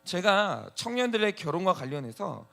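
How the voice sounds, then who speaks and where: A man's voice: sits high, big pitch swings, normal speed, vocal fry, sharp tone. A man pastor preaching a sermon, asking the congregation many rhetorical questions.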